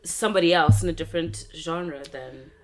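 A woman co-hosting a casual music chat, expressive and quick to chime in. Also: sits low.

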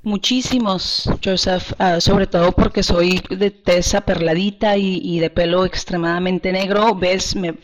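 A woman's voice: on the low side, fairly even intonation, measured pace, few pauses. A woman from Texas, answering interview questions in an earnest, emphatic way and repeating words as she restarts. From Texas, USA. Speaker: guest, party regional director. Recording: slightly muffled audio.

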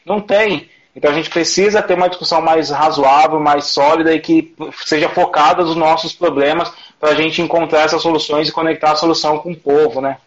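A man's voice: fairly high pitch, fairly even intonation, a little fast, hardly any pauses. A man with a Brazilian Portuguese accent, speaking passionately in a conversational discussion, restarting his phrases. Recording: dull lo-fi audio.

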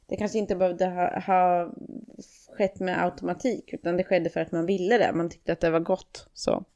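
A woman co-host talks things through in an unhurried, reflective way, pausing often with fillers and restarting her sentences. Her voice sits low and gravelly, with a dark, mellow tone. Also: flat delivery, muffled recording. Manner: hesitant, many fillers and restarts. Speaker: podcast co-host. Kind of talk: casual reflective discussion.

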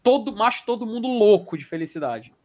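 A man's voice: high-pitched, fairly quick. A man hosting a live show in casual, slangy chat, reading viewer comments aloud. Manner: excitable, slangy, full of fillers.

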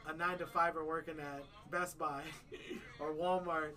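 A man's voice: on the high side, level tone, moderate pace, sharp tone, far from the mic. Laid-back rambling podcast host, man. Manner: laid-back, rambling, peppers speech with "man" and "you know". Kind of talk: casual podcast chat.

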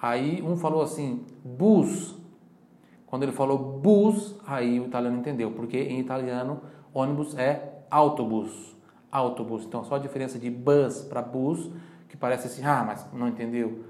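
A man with a Brazilian Portuguese accent teaching Italian, saying phrases slowly and loudly for repetition, then chatting quickly between drills. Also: mid-range voice, steady tone, echoey room. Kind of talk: language lesson.

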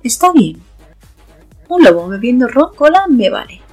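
Actress as breathy, husky seductress. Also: female voice, on the high side, very animated, a little slow, full character voice. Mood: teasing, forward. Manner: sultry, teasing. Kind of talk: audio fiction dialogue. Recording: faint music behind.

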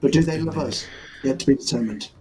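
A man's voice: mid-range voice, fast. Chatty man, music behind. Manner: chatty, tells anecdotes. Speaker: tabletop game player. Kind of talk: casual chat on a stream.

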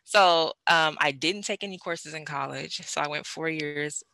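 A young woman talking about learning languages in a casual conversation, animated, with many fillers and frequent laughs. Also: deep voice, a little slow, gravelly, dry recording.

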